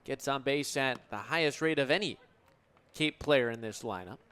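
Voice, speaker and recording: A man's voice: mid-range voice, normal speed, fairly bright tone, clean tone. A young American man in his twenties calling a game live as a radio play-by-play broadcaster. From United States. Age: 20s. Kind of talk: live sports radio commentary. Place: at live sports venues. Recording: crowd and gym noise behind. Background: crowd, ambient game noise.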